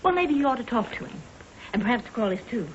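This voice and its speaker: A calm, kind mother. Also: a little high, fast talker, slight background noise. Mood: gentle. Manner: soothing, polite. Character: calm, kind middle-aged mother Janet. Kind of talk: 1940s radio acting. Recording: dull old radio broadcast.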